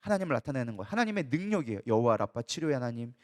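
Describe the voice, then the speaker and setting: A man's voice: mid-range voice, very animated, rapid-fire. A male co-lead pastor preaching a midweek sermon, emphatic and full of rhetorical questions that he answers himself. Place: church.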